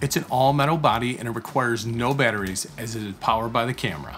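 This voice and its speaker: Here a man talks at a very fast pace with ordinary pitch variation. Light background noise can be heard. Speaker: gear reviewer. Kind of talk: product review. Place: home room. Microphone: camera far.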